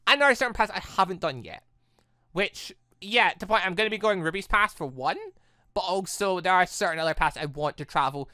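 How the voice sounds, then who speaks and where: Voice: medium pitch, bright, forceful tone, dry recording, clean studio sound. A gaming YouTuber giving casual playthrough commentary in a chatty, rambling, enthusiastic way. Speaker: gaming YouTuber, let's player.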